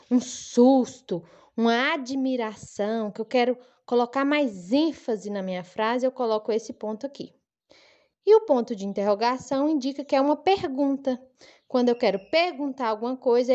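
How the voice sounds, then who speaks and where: A woman teaching a children's lesson, speaking slowly and clearly in a sing-song manner for young kids. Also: fairly high pitch, a little mellow, dull audio. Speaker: primary school teacher. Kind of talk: recorded online lesson for children.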